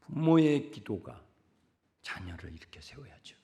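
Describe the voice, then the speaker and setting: A middle-aged male pastor preaching a sermon, moving from hushed whispers to loud cries and acting out the voices he quotes. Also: mid-range voice, sing-song, measured pace. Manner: dramatic, swings from hushed whispers to shouting; acts out quoted voices in the telling.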